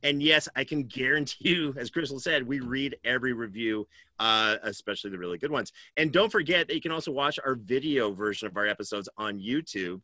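A man's voice: mid-range voice, fairly quick, bright, forceful tone, no echo. A middle-aged man hosting a podcast over a video call, putting questions to a guest and addressing the audience. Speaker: podcast host. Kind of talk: interviewing and presenting to an audience.

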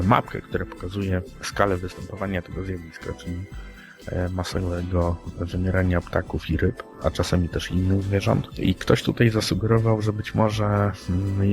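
A man co-hosting a podcast, talking through news conversationally with halting, hesitant phrasing. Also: low-pitched. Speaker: podcast co-host.

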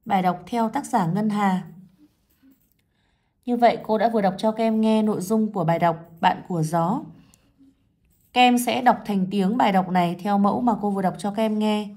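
Woman teacher, mid-range voice, clear, patient read-aloud delivery for children. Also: medium pitch, dark tone. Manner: slow, measured reading of poem and story, careful phrasing. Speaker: primary school teacher.

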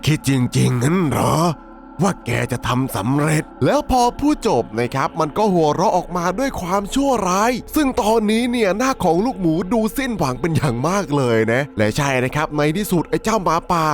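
A man's voice: sits high, very animated, fairly quick, few pauses, soft background music. A man narrating a dramatic horror story recap, conversationally and politely addressing his listeners as he goes. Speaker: storyteller, channel host.

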